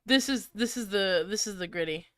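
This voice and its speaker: A woman's voice: mid-range voice, brisk, a bit bright, dry recording. A woman reading fan fiction aloud in a casual livestream style, breaking up into giggles and swearing as she comments. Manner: crude, swearing banter.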